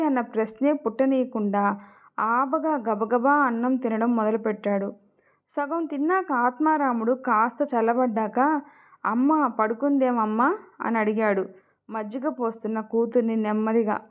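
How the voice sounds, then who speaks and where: A woman narrating an emotional story in a measured, expressive reading. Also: a little high.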